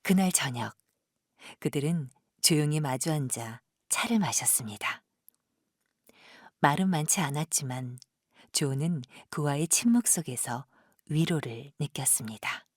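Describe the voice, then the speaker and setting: A woman narrating a literary audio drama in a hushed, solemn, lyrical manner with a breathy voice. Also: deep voice, a little slow, no room sound, clean studio sound.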